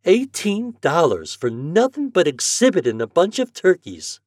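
A man's voice: high-pitched, wildly swooping pitch, a little slow, darkish tone, no echo, clean studio sound, pitched above the performer's own voice, full character voice. A man doing a wondering country mother. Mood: surprised, doubtful. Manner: rustic old-time country dialect. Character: wondering old-fashioned farm mother, thrifty. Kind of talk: storybook character voice.

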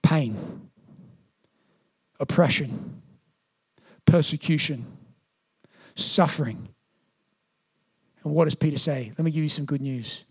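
A man preaches from the pulpit in a high, light voice. He keeps it lively, jumping into playful quoted voices before dropping into slow, earnest stretches. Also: breathy edge. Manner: animated, acts out voices and quotes. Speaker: pastor. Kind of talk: sermon.

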